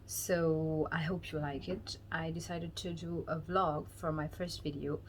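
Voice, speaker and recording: Woman doing a casual vlog, lowish voice, kinda halting, really unhurried. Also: flat delivery, a little hiss or hum. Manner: hesitant, halting. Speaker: vlogger introducing a new channel. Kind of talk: casual chat to camera.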